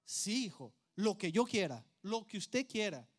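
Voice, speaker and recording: A proud businessman father who talks big and insists over and over that money is no object, acted out by a preacher mid-sermon. His voice sits high and rings out loudly. It is a quick story-voice, close to the preacher's own. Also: big pitch swings, heavily acted. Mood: boastful. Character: boastful wealthy businessman father, eager to please.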